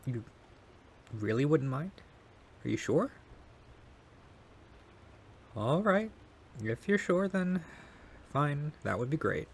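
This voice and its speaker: A man's voice: mid-range voice, slight background noise. A man playing a shy, polite and kind young male neighbor in an intimate ASMR roleplay, speaking hesitantly and apologetically, with stammers. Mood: grateful, shy.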